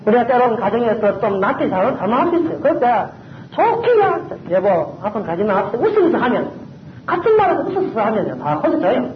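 Emphatic preacher with a swooping, lively delivery. Slightly muffled, echoey church recording. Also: mid-range voice, quick pace, a little hiss or hum. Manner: emphatic, repeats key phrases. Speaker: pastor. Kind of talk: sermon.

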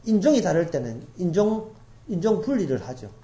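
A middle-aged woman from Daegu preaching a sermon as pastor, repeating key phrases and swinging from loud emphasis to hushed asides. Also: fairly low pitch, sing-song, brisk. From grew up in Daegu, South Korea.

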